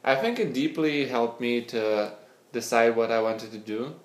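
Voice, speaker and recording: Speaking at medium pitch and an unhurried pace, a young man from Lithuania hesitates through his interview answers, repeating words as he hunts for them. He's a scientist and startup founder appearing as a guest, and the room has an echo.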